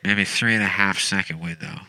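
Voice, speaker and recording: Man doing a mopey thirty-something caller, deadpan mumble, crisp bright tone. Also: deep voice, normal speed, no room sound, heavily acted. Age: 30s. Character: burned-out gloomy male caller in his thirties. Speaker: prank caller.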